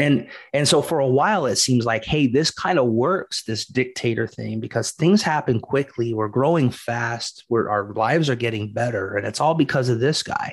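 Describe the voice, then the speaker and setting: A man with an American accent speaks at a medium pitch and moderate pace, with hardly any pauses. He has a plain, everyday voice with ordinary pitch variation. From United States. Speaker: podcast co-host. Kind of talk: casual chat.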